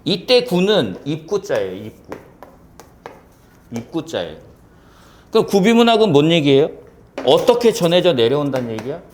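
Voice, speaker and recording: A man lecturing on Korean grammar and literature for exam candidates, with a fairly high voice that swings widely in pitch. He keeps stopping to check that his listeners are following. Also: normal speed, long pauses, a little hiss or hum. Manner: lively, asks many rhetorical check questions. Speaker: civil service exam Korean teacher. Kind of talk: classroom lecture.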